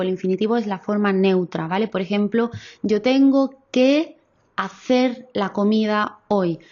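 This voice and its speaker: A woman from explains grammar in a very measured, unhurried way, spelling out each example. Her voice sits at a middle pitch, and the recording sounds a little muffled. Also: a little mellow. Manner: slow, careful, clear explanation with examples. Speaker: Spanish teacher. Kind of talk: grammar lesson.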